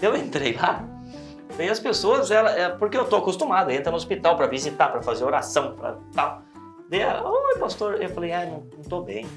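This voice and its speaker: Brazilian pastor guy chatting on a podcast, acts out voices, pitch all over. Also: fast, soft background music. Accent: Brazilian Portuguese. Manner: animated, acts out voices in his stories. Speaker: pastor, guest. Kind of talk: casual storytelling on a podcast.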